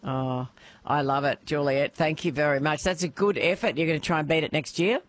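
A woman's voice: sits low, steady tone, fairly quick, a little hiss or hum. Chatty woman radio host. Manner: chatty, laughs easily, playful. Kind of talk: talkback radio chat.

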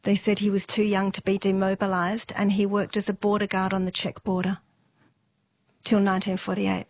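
Middle-aged woman, unhurried storytelling, soft laughs, fillers, dry close mic. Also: medium pitch, completely flat delivery, dry recording. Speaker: interview guest. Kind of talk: relaxed storytelling interview.

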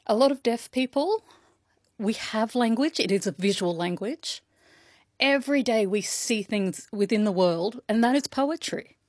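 A woman interpreting a deaf guest's answers aloud, speaking in a measured, thoughtful way. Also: a little high, animated, darkish tone, no echo, clean studio sound. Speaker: sign language interpreter.

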